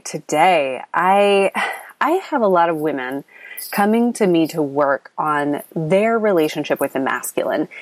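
A low-pitched woman with a slight lilt, hosting a spiritual podcast. She talks earnestly and wanders, with ums and restarts, her voice a bit scratchy. It is recorded close and dry on a recording app. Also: a little mellow, dry recording. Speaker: podcast host. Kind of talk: spiritual coaching podcast monologue. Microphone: app recording, close mic.

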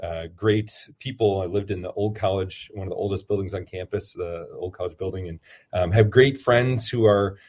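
A man with a low voice, a priest and football chaplain, answering interview questions in a rambling, self-deprecating way with many fillers. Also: moderate pace, a little mellow, slightly rough. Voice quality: lower voice.

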